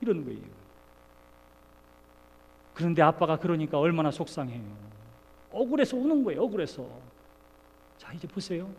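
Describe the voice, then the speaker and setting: High-voiced pastor preaching in a reverberant church. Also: male voice, big pitch swings, moderate pace, long pauses, husky. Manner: earnest, swings from soft to loud exclamation. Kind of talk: sermon. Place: church sanctuary.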